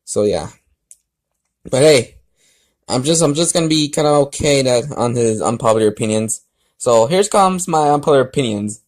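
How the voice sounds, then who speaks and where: Rambling, halting man vlogging. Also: mid-range voice, expressive, a little mellow. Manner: rambling, halting, often restarting sentences. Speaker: host of fan fiction reading videos. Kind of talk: casual rambling vlog talk and fan fiction read-aloud.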